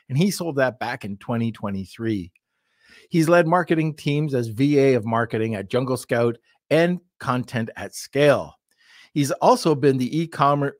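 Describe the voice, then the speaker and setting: A man hosting a business podcast in a lively, chatty way, introducing guests and reading sponsor spots. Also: mid-range voice, no room sound, clean studio sound. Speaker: podcast host. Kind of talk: podcast interview.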